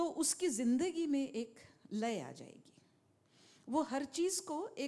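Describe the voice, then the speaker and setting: In a Bengali accent, a woman speaks at a very slow pace with a dark, mellow tone and very wide pitch swings. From Rajasthan, India (Jodhpur); Rajasthan, India. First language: Bengali (speaking Hindi). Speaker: poet. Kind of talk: interview conversation. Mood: reflective, animated storytelling. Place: stage. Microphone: handheld.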